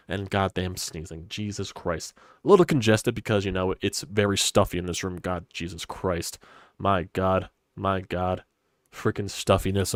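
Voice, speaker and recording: In a hot, stuffy room at home, a congested sports podcast host with a low voice runs a casual solo stream, rambling, opinionated and swearing casually. The studio-quality sound has no echo.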